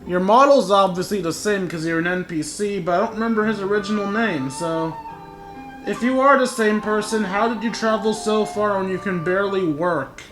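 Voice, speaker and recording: A man's voice: high-pitched, normal speed. A man giving casual, rambling playthrough commentary with joking asides. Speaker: gaming YouTuber commentating his play. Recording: game music behind the voice. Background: video game music.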